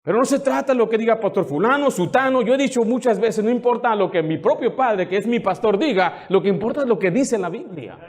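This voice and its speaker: A man's voice: high voice, lively intonation, a little fast, few pauses. A man pastor preaching a sermon, fervent and indignant, firing rhetorical questions at the congregation. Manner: indignant, scolding.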